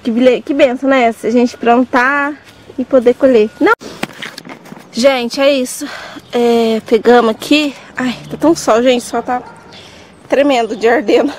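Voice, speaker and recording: Strolling outdoors through a farm vegetable garden, a young Brazilian woman talks casually to her vlog audience and points out what she sees. Her voice sits on the high side with a darkish tone, fairly even intonation, an unhurried pace, and a Brazilian Portuguese accent. The recording is rough, with slight background noise.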